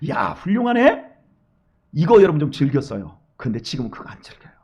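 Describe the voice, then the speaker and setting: A middle-aged male pastor giving an early-morning sermon, speaking straight to his congregation with many rhetorical questions, dropping to quiet asides and rising to loud urging. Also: medium pitch, big pitch swings, very fast, breathy edge, muffled recording. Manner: emphatic, swings from hushed asides to loud exhortation.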